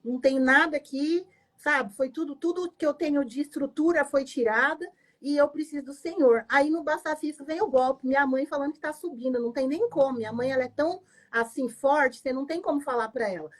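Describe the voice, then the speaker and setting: A woman's voice: high-pitched, a little fast. A woman pastor tells her personal testimony in an emotional, emphatic way, often adding "né?". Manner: emotional, emphatic storytelling with frequent "né?".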